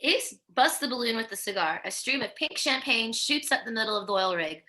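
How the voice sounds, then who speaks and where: A woman's voice: on the high side, animated, fairly quick, sharp tone. A woman reading stage directions as scripted narration at a virtual table read.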